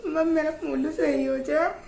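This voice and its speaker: A woman's voice: high-pitched, steady tone, unhurried, gravelly, darkish tone, roomy sound, a little hiss or hum. A woman talking to her viewers in a casual home vlog, in an emotional, heartfelt way. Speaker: vlogger and mother.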